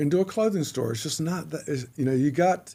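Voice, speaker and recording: The man's voice has a dark, mellow tone. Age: 60s. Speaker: surf shop owner. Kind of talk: casual interview conversation.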